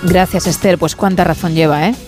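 A woman's voice: fairly low pitch, fairly even intonation, darkish tone, soft background music. A woman hosting a radio show, chatting in a playful, teasing way the studio. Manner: playful teasing, quick laughs. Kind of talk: lively late-night radio chat.

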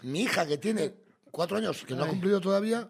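Lively, husky man telling a story. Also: quick pace. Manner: animated and swearing, drops low and quiet for quoted characters. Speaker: comedian and panelist. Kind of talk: comic storytelling on a radio show.

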